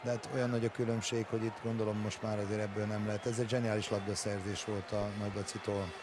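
A man's voice: fairly low pitch, flat delivery. A man analysing a handball match as co-commentator, explaining in hesitant phrases. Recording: very loud arena noise behind commentary.

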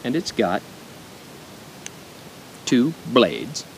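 A middle-aged American man with a speech impediment, giving an informal gear demonstration with deliberate pauses. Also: very animated, vocal fry, low-quality recording. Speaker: knife and gear reviewer. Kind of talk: informal product demonstration to camera. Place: outdoors at a picnic table in woods. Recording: outdoor noise with low rumble.

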